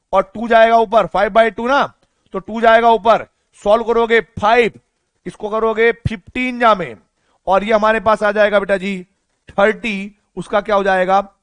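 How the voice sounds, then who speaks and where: A young male chemistry teacher with a very high voice, talking through a lesson at home. His delivery is quiet and deliberately slow, and he coaxes students with questions he answers himself. The recording is close and dry, with no room echo. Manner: speaks softly and slowly on purpose. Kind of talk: online lecture.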